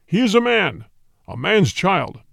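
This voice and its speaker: A man's voice: sits high, sing-song, measured pace, gravelly, a bit bright, no echo, studio quality, full character voice. A man voicing a huge male tiger, full of hate and bullying, roaring his demands in a storybook reading. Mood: roaring, hateful.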